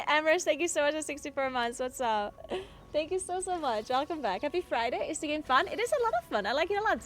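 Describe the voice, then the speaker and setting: A woman's voice: high voice, animated, brisk. Chatty woman streamer. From South Tyrol, Italy. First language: German. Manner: chatty, answers chat, frequent "like" fillers. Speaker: game streamer. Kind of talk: casual chat while gaming.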